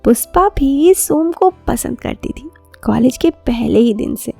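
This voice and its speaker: A woman's voice: high voice, animated, measured pace, gravelly, mellow, slightly rough, faint music behind. A woman narrating a scripted romantic story as a podcast storyteller.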